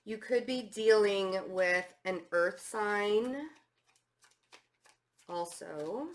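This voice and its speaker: A woman giving a casual tarot reading, her voice hoarse and stuffy, chatting with many fillers and restarts. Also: medium pitch, very slow. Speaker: tarot reader.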